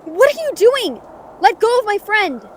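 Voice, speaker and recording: Audio-drama author heroine, actress: high voice, earnest and defiant, emotional delivery, slight background noise. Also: female voice, very animated, unhurried, full character voice. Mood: defiant, alarmed. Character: earnest, defiant female author facing her villain.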